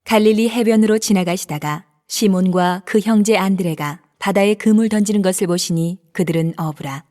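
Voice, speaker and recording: Woman, scripture narrator, measured even delivery, mid-range voice, long reverb. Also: medium pitch.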